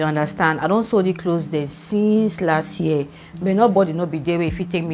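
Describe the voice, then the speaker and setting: A woman with a fairly low pitch talks at a fairly quick pace. Music plays in the background. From Cameroon. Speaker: vlogger. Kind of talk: casual talk to camera. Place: home room. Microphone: lapel.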